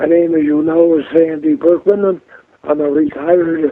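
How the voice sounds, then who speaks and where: A man with an American accent talks at a fairly slow pace. His pitch is fairly high and his intonation is monotone and flat. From upstate New York, Glens Falls. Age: 90s. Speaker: WWII Marine veteran. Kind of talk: radio interview testimony. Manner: formal.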